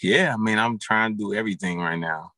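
A man's voice: lowish voice, a little fast, pushed and bright, dry recording, clean studio sound. A man in his thirties, a guest and football coach, talking casually on a podcast with many fillers and restarts. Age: 30s.

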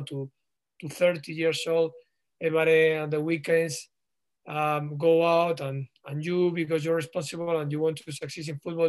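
A man in his thirties speaks English with a Spanish accent, in a fairly high voice. He answers interview questions slowly, pausing often and restarting his sentences. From Spain. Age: 30s. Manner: halting, frequent ums and restarts. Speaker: guest, professional footballer.

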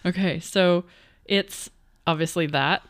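A woman co-hosting a podcast, bubbly and giggly, reacting quickly in casual chat. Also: on the low side, fairly even intonation, no echo, studio quality. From Canada. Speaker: podcast co-host.

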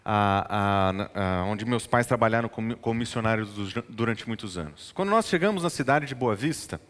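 A man's voice: lowish voice, animated, normal speed, a bit bright. A male pastor preaching a sermon, telling stories from his childhood and building to emphatic teaching. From northern Brazil. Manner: storytelling, rising to emphatic preaching. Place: church. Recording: long church reverb.

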